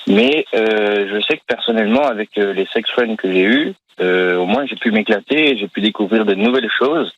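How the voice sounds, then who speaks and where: A man's voice: lowish voice, normal speed, few pauses, a bit bright, slight background noise. A man in his twenties from France, calling a radio show, talking in an easygoing, hesitant way full of fillers over a phone line. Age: 20s. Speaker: caller. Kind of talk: casual phone-in chat.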